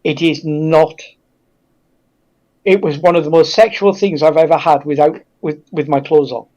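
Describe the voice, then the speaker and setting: A man speaking in a halting, reflective way as a guest in a casual discussion. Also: a little high, fairly even intonation, dark tone.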